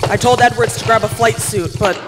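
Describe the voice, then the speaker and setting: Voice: medium pitch, steady tone, fairly quick, over loud music, close to an everyday voice. A teenage actor playing a grave, guilt-ridden airship officer in a live radio play. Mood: somber, regretful. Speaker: student actor. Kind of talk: dramatic first-person radio play narration. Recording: very noisy live stage recording, loud effects.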